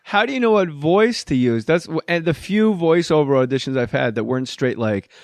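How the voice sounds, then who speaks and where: A middle-aged man hosting a podcast, joking and quick with comic bits. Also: a little high, animated, dry recording. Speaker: podcast host. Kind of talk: casual podcast chat.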